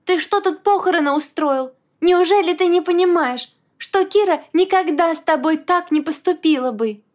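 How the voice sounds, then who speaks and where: A woman voicing an alarmed, fiercely loyal young female friend in an audiobook, in a shrill, excited, indignant manner. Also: unhurried. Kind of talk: audiobook character voice.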